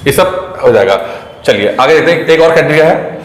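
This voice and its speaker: A man's voice: on the high side, lively intonation, brisk. A man teaching exam aspirants, chatty and repetitive, mixing English terms into his talk. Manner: chatty, repeats points, mixes English terms into Hindi. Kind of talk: explaining exam rules to students. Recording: echoey room with long reverb.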